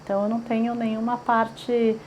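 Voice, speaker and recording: A São Paulo woman in her forties, with a paulistano Brazilian Portuguese accent, chats through an oral history interview using many fillers and tag questions. Her voice is fairly high and darkish, delivered flatly and briskly. The highs are cut off and there's a little hiss or hum.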